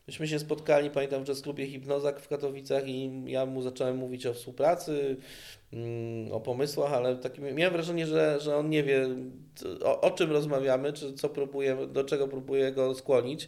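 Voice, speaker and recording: The tone is dark and mellow, with monotone, flat intonation. Loudness rises and falls in big swings. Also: man, fairly high pitch for a man, fairly quick pace. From Poland, Sosnowiec (Zagłębie). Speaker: poet and musician. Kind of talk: casual interview.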